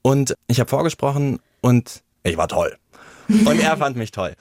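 A man's voice: mid-range voice, very animated, unhurried, darkish tone, no room sound. Guy talking about his life, thoughtful, acts out quotes, dry room. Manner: reflective, tells stories with acted-out quotes. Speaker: actor. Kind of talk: candid personal conversation.

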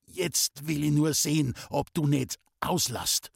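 Man doing a young mountain lad, hot-tempered, hissing, husky, raised voice, storybook reading. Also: on the high side, slow, no echo, clean studio sound, voice pushed up, exaggerated voice. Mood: angry hiss. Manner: hissed, angry muttering.

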